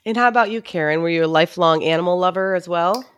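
Upbeat woman podcast host, mid-pitched, dry close mic, rambling questions. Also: quick pace, clear, resonant tone, no echo. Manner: upbeat, chatty, asks long rambling questions. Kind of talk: casual interview chat.

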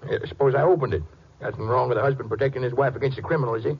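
An actor playing a jealous, nervously defensive American husband in a 1950s western radio drama, talking in a self-justifying way. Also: male voice, mid-range voice, fairly even intonation, very fast, creaky, husky. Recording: muffled old-time radio recording.

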